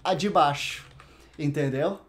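A Brazilian man teaching a private English lesson, patiently explaining pronunciation and repeating English words slowly to demonstrate the sounds. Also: on the high side, a little hiss or hum. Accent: Brazilian Portuguese.

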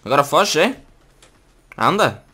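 A young man with a European Portuguese accent, hosting a casual gaming video and yelling and swearing when a fight starts. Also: fairly high pitch, sing-song, a little slow, husky.

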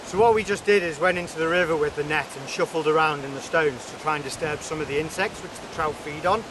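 A man's voice: fairly high pitch, distant mic. A Welsh man in his forties, a fly fishing instructor, explaining his setup step by step while standing outdoors by a river, recorded on a camera mic. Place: outdoors beside a rushing river. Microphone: camera mic, close framing. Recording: loud river noise behind voice. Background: rushing river water.

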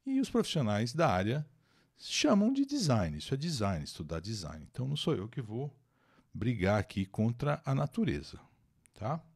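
A man's voice: medium pitch, wildly swooping pitch, normal speed, darkish tone, breathy edge. Chatty Brazilian man teaching English live. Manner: chatty, greets viewers by name, explains words and pronunciations. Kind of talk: live-streamed English lesson, reading and translating an article. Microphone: new microphone.

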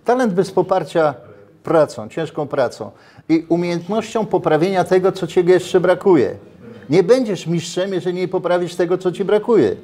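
This former footballer from Poland has a high voice and keeps a moderate pace. Interviewed casually in a brick-walled restaurant with a lapel mic, the older man is animated, gesturing as he talks and frequently starting over.

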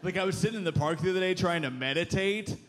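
A man in his thirties doing a stand-up set on a club stage with a handheld mic, punchy and animated, with loud put-on voices. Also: high voice, quick pace. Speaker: stand-up comedian. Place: club stage before a live audience. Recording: live club recording with crowd noise. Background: audience laughter.

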